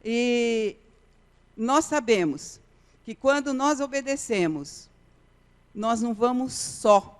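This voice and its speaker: Woman, missionary testimony, unhurried, smooth clear voice, long church reverb. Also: on the high side, animated. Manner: earnest storytelling, repeats key phrases. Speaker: missionary preacher. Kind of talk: testimony sermon. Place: church sanctuary.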